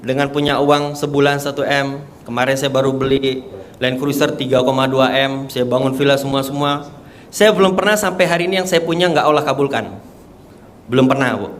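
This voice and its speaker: A man's voice: mid-range voice, fairly even intonation, a little fast, a little hiss or hum. A young man, telling his testimony with emotion and emphasis, laughing often as he talks. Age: young adult. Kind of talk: animated testimony before a live audience.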